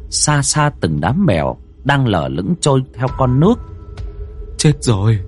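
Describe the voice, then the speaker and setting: A man narrating a ghost story in a vivid, suspenseful way. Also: fairly low pitch. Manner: vivid, suspenseful, swings widely between hush and alarm. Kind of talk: dramatic storytelling.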